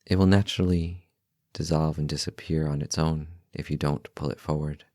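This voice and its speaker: A man leading a guided meditation in a calm, gentle, unhurried manner, leaving long pauses between short phrases. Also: extremely low pitch, dry recording, clean studio sound. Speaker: meditation guide, podcast host.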